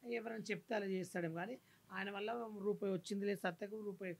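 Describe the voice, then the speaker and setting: A scornful man tells an aggrieved story in an interview. His voice is high and gravelly, and he talks quickly. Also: steady tone.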